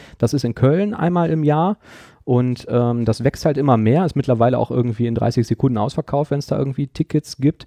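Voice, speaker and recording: A man's dark, mellow voice at medium pitch, with ordinary pitch variation and a fairly quick pace, in a dry, close sound with no echo over a quiet background. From western Germany, Ratingen area. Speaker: software developer podcast host. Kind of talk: casual chat.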